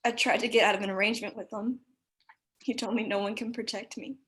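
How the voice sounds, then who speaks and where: A woman's voice: medium pitch, fairly even intonation, fast, a bit bright, close to an everyday voice. A woman acting a desperate, frightened but defiant young woman at a screenplay table read, with earnest emotion. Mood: distraught, pleading.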